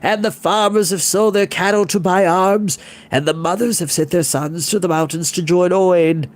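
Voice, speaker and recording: Guy doing a frail old bard voice, soft n lisping, lilts like he's half singing. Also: sits high, fairly even intonation, moderate pace, natural voice. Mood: passionate lilting. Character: frail old male bard, passionate and proud.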